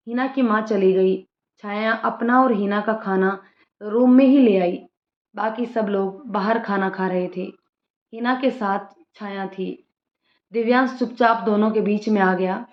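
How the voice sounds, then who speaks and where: A woman storyteller narrating a story in an even, plain reading voice. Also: mid-range voice. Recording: roomy lo-fi room sound.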